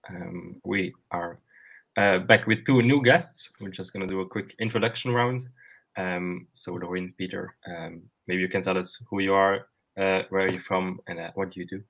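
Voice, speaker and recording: A man hosting a casual interview in a hesitant, halting manner. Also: deep voice, fairly even intonation, creaky, fairly bright tone. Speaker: host, interviewer.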